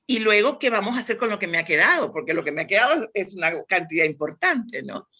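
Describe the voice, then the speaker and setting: A woman's voice: medium pitch, big pitch swings, quick pace, sharp tone, husky. A woman from Spain with a Spanish accent, a guest explaining demand planning in a thoughtful, conversational way with frequent restarts. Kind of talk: conversational interview.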